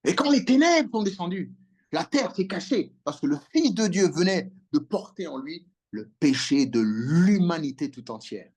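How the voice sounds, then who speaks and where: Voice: mid-range voice, very animated, normal speed, a little mellow, breathy edge. A preacher delivering an impassioned sermon over a video call, calling out for amens and responses.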